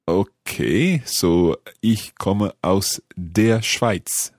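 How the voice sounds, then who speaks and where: A man hosting a podcast language lesson, speaking carefully and repeating phrases slowly for learners. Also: on the low side, darkish tone, dry recording, studio quality. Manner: careful, enunciating learner pronunciation. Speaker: language course host.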